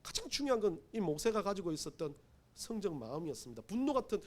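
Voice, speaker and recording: Male pastor, very high voice, animated delivery, emphatic sermon with self-deprecating asides. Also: fast talker. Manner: emphatic, acts out pleading quotes. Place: church sanctuary.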